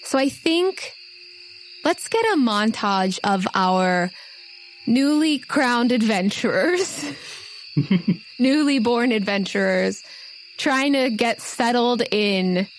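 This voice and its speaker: A woman's voice: fairly high pitch, animated, slow, pauses often, slight background noise, rough recording. A woman narrating a tabletop role-playing game as its game master.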